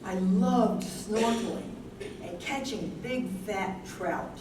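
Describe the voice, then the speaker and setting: A woman's voice: medium pitch, slow pace, lightly acted. A woman playing an aging, wistful wife who is losing her memory, in a staged reading. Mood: wistful, remembering. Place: live staged reading in an echoey room. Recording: roomy, distant stage recording with noise.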